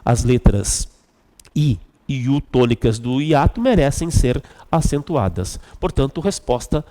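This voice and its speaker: A man's voice: medium pitch, lively intonation, unhurried, mellow. Man teaching grammar in a reverberant room. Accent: Brazilian Portuguese. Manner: explains step by step, asks "tá bom?". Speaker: Portuguese teacher. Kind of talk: exam review lesson.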